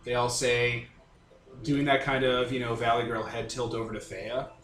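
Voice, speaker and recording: A man's voice: mid-range voice, little pitch movement, moderate pace, a bit bright. A man running a tabletop game, narrating and bantering in a casual, jokey, colloquial way. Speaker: game master. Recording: roomy echoing sound with music behind.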